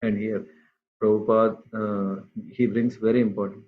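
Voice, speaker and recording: A man giving a scripture class to a group, speaking unhurriedly and pausing often with fillers. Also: fairly low pitch, flat delivery. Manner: unhurried, halting with many fillers. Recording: tinny phone-like line.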